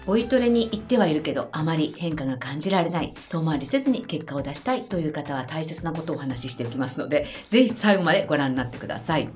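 A woman vocal coach giving a friendly, lively singing lesson and explaining voice types clearly. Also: deep voice, fast talker, hardly any pauses, soft background music.

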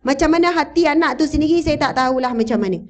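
Woman preacher, Malaysian Malay accent, high pitch, animated and engaging with the audience. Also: fast talker. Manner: animated, addresses the audience with questions. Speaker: religious teacher. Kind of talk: religious talk to a mosque audience. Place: mosque hall, indoors. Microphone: handheld or lapel microphone, standing.

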